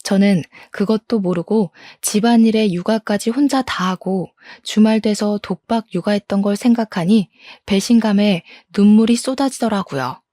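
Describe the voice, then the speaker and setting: Woman telling her story, mellow dry voice, mid pitch. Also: normal speed, few pauses, no room sound. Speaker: narrator. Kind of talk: scripted narration of a true story.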